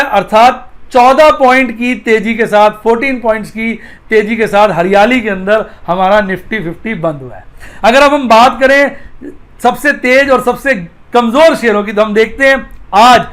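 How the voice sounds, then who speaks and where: A man's voice: very high-pitched, fairly bright tone. A man giving a playful daily stock market commentary, with rhyming asides.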